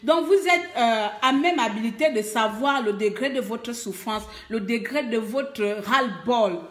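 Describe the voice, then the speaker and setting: A woman from Gabon with a Gabonese French accent calls her compatriots to mobilize during a live stream. Her voice sits a little high, and she speaks emphatically while stumbling over many fillers. The room around her is echoey. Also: a little slow, fairly bright tone. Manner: emphatic, hesitant, full of fillers, switches languages. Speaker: activist making a call to mobilize. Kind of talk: live video appeal. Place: abroad, away from home country.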